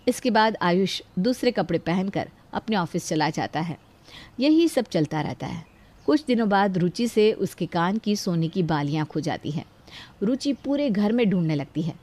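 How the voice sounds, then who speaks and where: A woman narrating a family story in a calm, scripted way. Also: lowish voice, normal speed.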